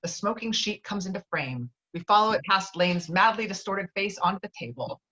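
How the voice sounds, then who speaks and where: A woman's sharp, animated, medium-pitched voice moves a little fast as she reads stage directions at an informal screenplay table read. She occasionally stumbles and fixes her mistakes. It's captured as dull, lo-fi online call audio.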